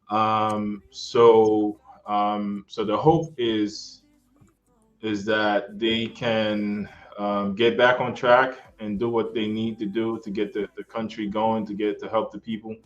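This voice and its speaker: A man's voice: on the low side, dull audio. A young man from Haiti, talking earnestly in a casual interview, repeating himself and often asking "you understand?". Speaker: guest, travel YouTuber.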